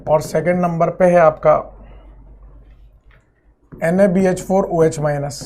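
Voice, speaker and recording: High-voiced man teaching chemistry. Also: steady tone, slow pace, a little mellow, slight background noise. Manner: repeats phrases, drills students, calls them friend. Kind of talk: classroom lecture at a board.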